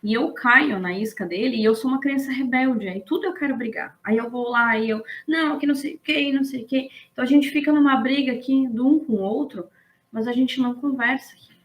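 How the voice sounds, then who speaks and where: A woman's voice: a little high, a little fast. Chatty woman teaching. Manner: chatty, animated, checks in with listeners. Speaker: business management instructor. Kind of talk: casual explanatory lesson.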